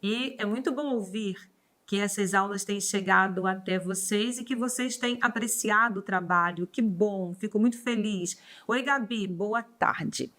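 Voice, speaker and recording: Bright-voiced Brazilian woman teaching law. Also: mid-range voice, measured pace. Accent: Brazilian Portuguese. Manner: warm greetings to chat, then steady explaining. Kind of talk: live online class.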